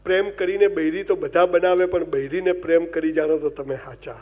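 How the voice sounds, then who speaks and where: High-voiced, animated male motivational speaker. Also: fairly quick. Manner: animated comic storytelling with wide swings in loudness; addresses the audience directly and gives advice. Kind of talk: humorous motivational speech.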